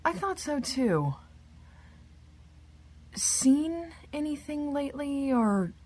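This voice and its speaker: An actress playing a courteous, gently probing professional woman in a naturalistic audio drama. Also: high-pitched, sing-song, slow, full character voice.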